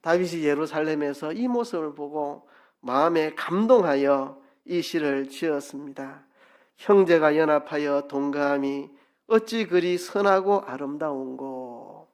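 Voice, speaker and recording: A middle-aged pastor preaches to his congregation in a church sanctuary. His voice sits a little high, and he delivers the sermon expressively, dropping into regional dialect now and then. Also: a little slow.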